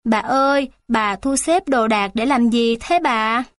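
A woman's voice: a little high, measured pace, no room sound, studio quality, natural voice. A woman voicing a young grandchild who pleads tearfully with her grandmother. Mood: pleading, tearful.

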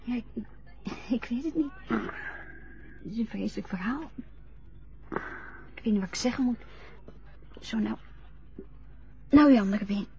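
A gentle, coaxing carer. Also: female voice, on the high side, measured pace, long pauses, muffled recording. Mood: uneasy. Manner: soothing, coaxing, practical. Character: patient young female carer, gentle. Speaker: carer helping an old man dress. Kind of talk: radio drama acting.

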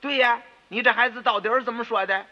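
A male storyteller voicing a humble, anxious old tofu-shop father who placates visitors and scolds his son gently, on a dull radio recording with long reverb. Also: very high-pitched, fairly even intonation, quick pace, voice pushed up. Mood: placating.

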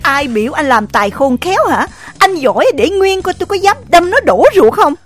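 An actress with a Southern Vietnamese accent playing a jealous, furious village wife, scolding in a shrill, rapid-fire voice in an audio drama. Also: female voice, sing-song, faint music behind.

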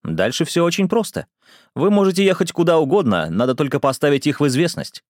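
An effusive, theatrical male singer, as a man reading puts him on, talks in high, bouncy tones. The sound is dry and close. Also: sing-song, fairly quick, no room sound. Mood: breezy. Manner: effusive and fond. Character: cheerful male would-be opera singer, theatrical.

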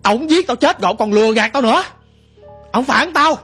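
A man's voice: extremely high pitch, lively intonation, moderate pace, a bit bright, slightly rough, faint music behind, heavily acted. A man voicing a vengeful female water demon, snarling and accusing. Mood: furious.

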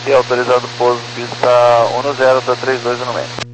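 A man's voice: medium pitch, monotone, a little fast. A male pilot speaking over the aviation radio, with a middle-range voice and short, routine procedural replies. The transmission is distant and carries a strong noise of static and hum. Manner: clipped, routine procedural phrasing. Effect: pilot heard over the aviation radio. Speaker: airline pilot. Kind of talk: terse radio readbacks to air traffic control.

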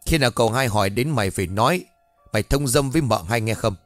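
A man voicing a cruel, sharp-tongued older woman who rules a household, in a spoken ghost story. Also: mid-range voice, expressive, quick pace, no echo, faint music behind, natural voice. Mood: menacing. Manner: harsh, sharp-tongued scolding.

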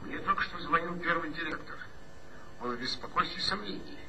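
An actor playing a male police officer in a 1960s radio play who reports briskly and dutifully by radio. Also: a little high, animated, background noise, close to an everyday voice. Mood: concerned.

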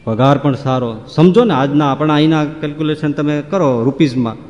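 A man's voice: a little high, fairly quick, a little mellow, highs cut off. A man giving a devotional discourse in a folksy manner, listing examples in rhythmic runs that rise into exclamations. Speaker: preacher. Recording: long hall reverb.

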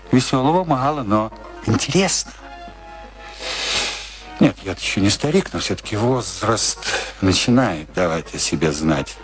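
An actor in a radio play playing an older, embittered husband who grumbles and philosophizes in a brooding, theatrical way. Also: male voice, fairly low pitch.

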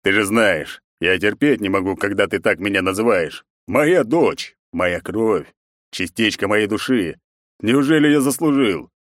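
A stern, weary emperor, as a man reading the story voices him, with a commanding, fatherly manner. The voice is low. The sound is close and dry. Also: lively intonation, unhurried, dry recording. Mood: hurt.

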